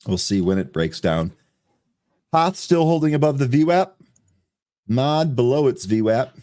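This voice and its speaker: A man co-hosting a live trading show, calling out tickers and chart levels in brisk, quick succession. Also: medium pitch, lively intonation, darkish tone, no echo, clean studio sound. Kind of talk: live market commentary.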